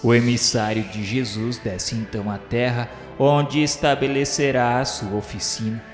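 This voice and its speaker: A man's voice: mid-range voice, steady tone, moderate pace. A man narrating a scripted religious radio drama in a solemn, reverent, declamatory literary style. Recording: echoey hall-like reverb with music. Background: music.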